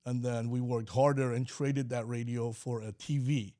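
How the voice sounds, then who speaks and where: A man's voice: medium pitch, level tone, moderate pace, warm tone. A man from California, a company president guesting on a podcast, telling stories in a rambling way with lots of fillers. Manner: rambling storytelling with many fillers. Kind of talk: podcast interview.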